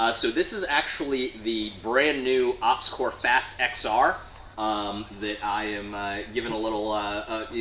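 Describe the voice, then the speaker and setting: A man's medium-pitched voice carries fairly even intonation against noticeable background noise. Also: fairly slow pace. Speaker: company executive and panel host. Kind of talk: casual panel chat. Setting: live online panel broadcast, shared mic. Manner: loud.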